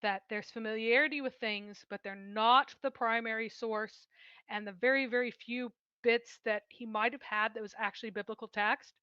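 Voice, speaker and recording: Bright, high-pitched, emphatic woman. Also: smooth, no echo, lo-fi sound. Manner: emphatic, argumentative. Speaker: guest commentator on a reaction livestream. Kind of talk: opinionated live debate commentary. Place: indoors, live online call.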